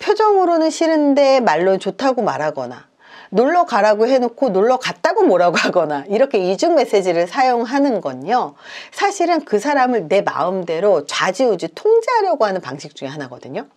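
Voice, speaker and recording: A woman's voice: mid-range voice, huge pitch swings, moderate pace, darkish tone. A woman psychologist giving advice on communication, explaining point by point in numbered steps. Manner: explains in numbered points, acts out example lines.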